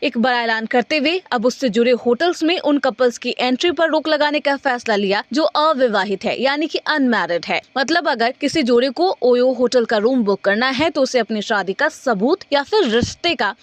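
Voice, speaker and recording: A woman anchor reading a scripted news report in a formal, steady delivery. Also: high-pitched, moderate pace, hardly any pauses, dry recording.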